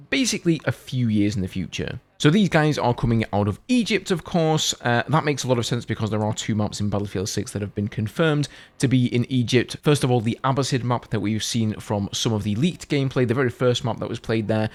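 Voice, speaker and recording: A young man runs a gaming channel and talks casually to his viewers. He reads out short passages and then comments on them in a chatty way. His pitch moves around a lot, with a mid-range voice for a man. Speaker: gaming content creator.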